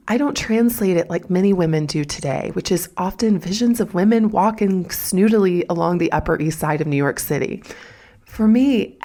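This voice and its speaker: A woman's voice: fairly low pitch, darkish tone. A woman with a Southern US accent hosting a solo podcast, talking in a chatty, folksy way with asides to her listeners. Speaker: podcast host.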